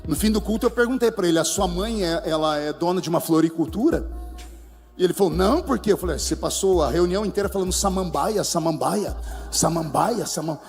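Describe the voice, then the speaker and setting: A man's voice: sits high, fast. A male Brazilian pastor telling a humorous testimony in a sermon, acting out the people in his story. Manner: animated, humorous storytelling with acted quotes. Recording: reverberant church hall with music.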